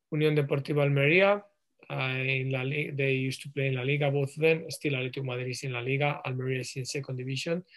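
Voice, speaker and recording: A man in his thirties speaks English with a Spanish accent, in a fairly high voice. He answers interview questions slowly, pausing often and restarting his sentences. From Spain. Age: 30s. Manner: halting, frequent ums and restarts. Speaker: guest, professional footballer.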